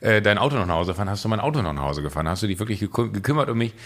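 A man in casual chat, an animated storyteller who acts out shouted quotes. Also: fairly low pitch, rapid-fire. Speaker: guest.

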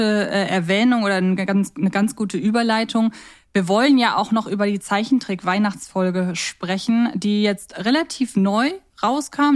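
Higher-pitched woman, casual podcast chat. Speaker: podcast co-host.

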